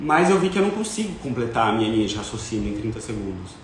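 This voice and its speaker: Over noticeable background noise and audible room echo, a man talks at a very fast pace in a medium pitch with ordinary pitch variation. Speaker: fashion content creator and teacher. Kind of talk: live online class. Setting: live stream.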